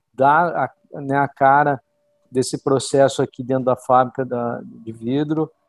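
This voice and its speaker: Recorded with a dry, close sound with no echo, a man speaks at a fairly high pitch. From Minas Gerais, Brazil. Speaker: factory manager. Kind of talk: interview.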